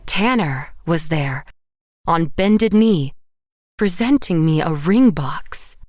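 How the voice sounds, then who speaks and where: An actress playing a haunted woman painter who narrates horror in a measured, literary way. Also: lowish voice, animated, darkish tone, dry recording, clean studio sound. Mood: uneasy, haunted. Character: haunted woman painter narrating her own murder, dazed and grim. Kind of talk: first-person horror audio drama narration.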